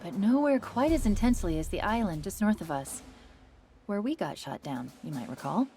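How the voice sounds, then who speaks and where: An actress playing an upbeat young female military AI companion in a video game, briefing in a brisk, chatty, eager way. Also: mid-range voice, sing-song, heavy background noise. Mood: briefing, curious. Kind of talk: video game mission dialogue. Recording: loud game music behind.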